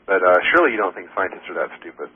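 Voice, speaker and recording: Fast, deep-voiced male caller over a phone. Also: very animated, breathy edge. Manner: skeptical, pushes back, hesitant fillers. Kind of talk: call-in radio debate. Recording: tinny phone line with faint hiss.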